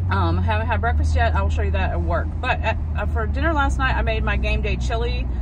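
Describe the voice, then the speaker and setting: A woman speaks over loud background noise. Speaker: vlogger. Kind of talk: casual vlog chat. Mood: upbeat, chatty. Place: car.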